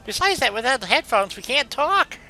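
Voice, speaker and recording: A man's voice: very high voice, very animated, fairly quick, creaky, bright, forceful tone, faint music behind, poor audio. A man chatting casually with a viewer while playing a game on stream, rambling in a folksy way and leaning on "you know.".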